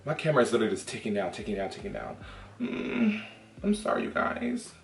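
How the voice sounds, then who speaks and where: A man's voice: medium pitch, huge pitch swings, fairly quick, slight background noise. A man from Oakland, a drag queen chatting casually with strangers in a sassy, chatty manner. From Oakland, California. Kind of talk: casual chat with strangers on video chat. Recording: roomy echo with music behind.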